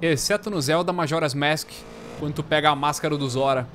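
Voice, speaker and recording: A man in his thirties, a gaming streamer, giving casual, slangy commentary on a headset with bursts of excited chatter. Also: on the high side, fairly quick, a little hiss or hum.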